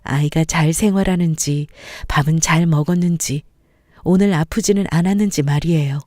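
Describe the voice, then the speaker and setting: A woman narrating a family story in a calm, gentle way. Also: deep voice, normal speed, dry recording, studio quality.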